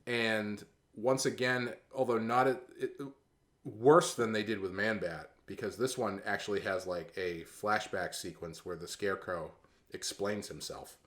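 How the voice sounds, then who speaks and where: A man co-hosting a podcast in casual chat, talking in a relaxed, hesitant way with many restarts. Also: lowish voice, unhurried. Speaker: co-host.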